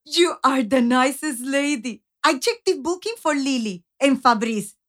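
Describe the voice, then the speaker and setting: An excitable, brash Latina receptionist at a hair salon for an audio comedy. The voice is very high, with Spanish-accented English. Spanish exclamations keep bursting into the broken English. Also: female voice, measured pace. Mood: bubbly, friendly. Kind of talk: comic audio drama acting.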